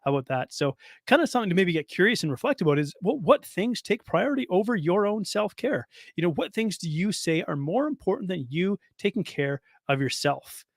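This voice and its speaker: A hoarse man hosting his own solo podcast as a nutrition coach, talking casually with lots of fillers and restarts. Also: high voice, sing-song, brisk, hardly any pauses, dry recording, studio quality.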